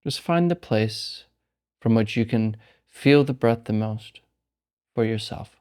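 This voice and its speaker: Male meditation teacher, lower-pitched voice, calm unhurried delivery with generous silences. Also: smooth. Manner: calm, unhurried, with long pauses. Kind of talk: guided meditation narration.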